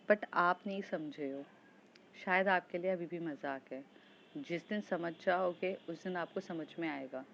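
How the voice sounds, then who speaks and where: Woman doing a young woman teacher, stern, caring, calm, reproachful, slightly muffled audio. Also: lowish voice, creaky, a little hiss or hum.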